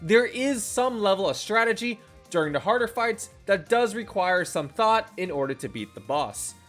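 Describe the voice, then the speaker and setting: A game reviewer narrating a scripted video in an expressive, tongue-in-cheek way. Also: mid-range voice, moderate pace. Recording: voice-over with faint music underneath. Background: faint background music.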